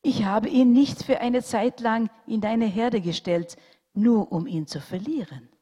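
Woman as God, gentle shepherd, hushed, slow, breathy. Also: a little high, voice pushed up. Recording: long hall reverb.

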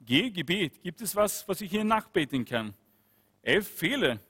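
A man's voice: sits high, big pitch swings, a little slow, fairly bright tone, husky, long reverb tail. A man giving earnest sermon-style Bible teaching, repeating phrases and asking his listeners questions.

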